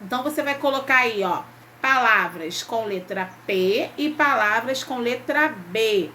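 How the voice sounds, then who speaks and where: Woman teacher, patient, higher voice, faint hiss behind; for a kids' lesson. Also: expressive, measured pace, pushed and bright. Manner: patient, checks in with "ok?" and "né?". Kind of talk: remote Portuguese lesson, reading a textbook exercise.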